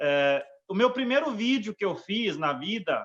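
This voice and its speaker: A man speaks with a German accent. His voice is raised and projected, with a bright, sharp tone. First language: German (speaking Portuguese). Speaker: farmer, agro influencer and radio host. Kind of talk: live panel discussion.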